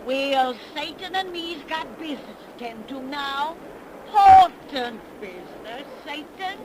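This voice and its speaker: A woman's voice: sits high, lively intonation, a little slow. A woman playing a cackling old witch who hosts a 1930s radio horror show, drawing out her words with relish. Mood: gleeful. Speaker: narrator host. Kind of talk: 1930s radio drama acting. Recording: hissy 1930s radio recording.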